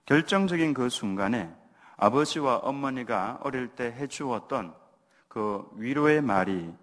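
Korean pastor preaching in a reverberant church. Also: male voice, medium pitch, lively intonation, unhurried. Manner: leads congregation in call-and-response reading; acts out gentle parental words softly. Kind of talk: sermon. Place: church sanctuary.

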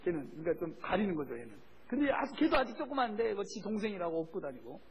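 High-voiced Korean man preaching a sermon. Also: fast, muffled recording. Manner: animated, acts out voices in quotes, laughs often. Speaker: missionary preacher. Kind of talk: sermon with storytelling.

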